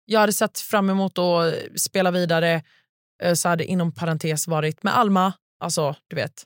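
A woman's voice: lowish voice, fairly even intonation, no echo, clean studio sound. A young woman from Gothenburg with a Gothenburg Swedish accent, chatting casually as a podcast co-host with lots of fillers. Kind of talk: casual chat.

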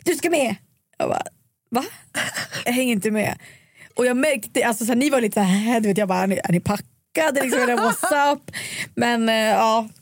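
Excitable young woman podcast co-host. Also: fairly high pitch, no room sound. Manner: lively, quoting herself with rising excitement. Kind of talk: casual podcast chat.

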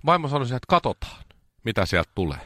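A man's voice: dry recording, clean studio sound. A man hosting a radio show, telling stories in casual chat. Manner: animated storytelling, jumps into high voices when quoting.

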